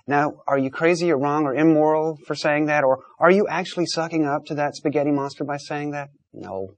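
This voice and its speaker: A man's voice: a little high, a little fast, dry recording. Blunt male talk show host, dry sound. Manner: emphatic, didactic, blunt. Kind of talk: unscripted call-in debate.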